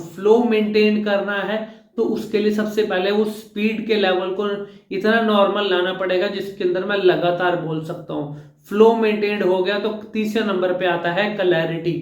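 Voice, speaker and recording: A man with a high voice gives an instructional talk as a speech coach. He is emphatic and hammers his points home as numbered rules. The sound carries a roomy echo.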